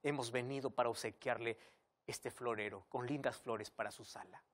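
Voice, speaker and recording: A man's voice: mid-range voice, steady tone, moderate pace, voice pushed down, close to an everyday voice. Man playing an exasperated Christian husband. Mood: gentle. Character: exasperated Christian husband, pleading then gentle.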